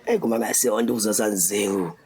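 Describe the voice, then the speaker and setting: An actor with a Malawian accent playing an excitable young man seeking advice from his friend in a radio drama, slangy and exclamatory. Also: on the low side, fairly quick, husky. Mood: eager, animated. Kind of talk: radio drama acting in casual slangy dialogue.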